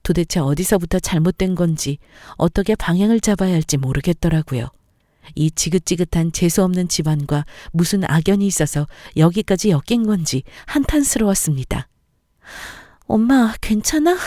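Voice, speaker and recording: Brief: female storyteller, even confessional read, mellow tone, dry close sound. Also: on the low side, a little fast, dry recording. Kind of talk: scripted first-person story narration.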